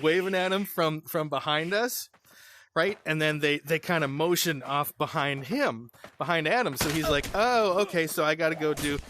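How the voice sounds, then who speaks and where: A man's voice: on the high side, noisy background. A man hosting a gaming channel, telling a rambling story in a casual way, often chuckling and restarting his sentences. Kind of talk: casual storytelling over gameplay.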